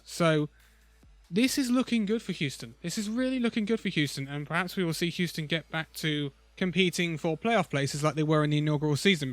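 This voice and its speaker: A man who is a little ill and losing his voice gives an opinionated, conversational esports roundup with pauses. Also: on the high side, fairly bright tone, no echo. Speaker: esports video host. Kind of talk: casual esports commentary vlog.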